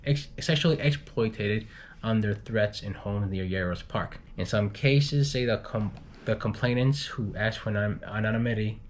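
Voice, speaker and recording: Low-voiced man haltingly reading news. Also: slight background noise. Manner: halting reading with stumbles and repeats. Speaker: guest news reader, group moderator. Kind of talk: reading travel news, unpolished.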